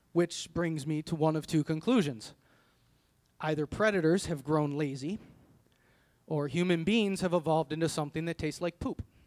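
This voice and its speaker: A man with an American accent talks in an animated tone at a fairly high pitch with ordinary pitch variation. The sound is dry and close with no echo, in a very clean recording with a silent background. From Western New York. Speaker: stand-up comedian and emcee. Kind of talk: stand-up comedy. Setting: stage with audience. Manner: animated, quick-witted, punchline-driven banter with pauses for laughs.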